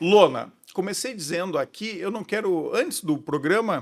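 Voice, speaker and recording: This man's voice is pitched high. His intonation is lively. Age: 50s. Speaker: podcast host. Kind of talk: interview.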